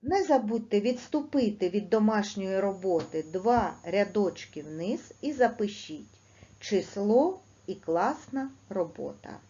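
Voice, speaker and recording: A middle-aged woman, teaching second graders in a lively, sing-song way and stretching words out slowly. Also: medium pitch, breathy edge. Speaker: primary school teacher. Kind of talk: online lesson for second graders. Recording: dull lo-fi sound.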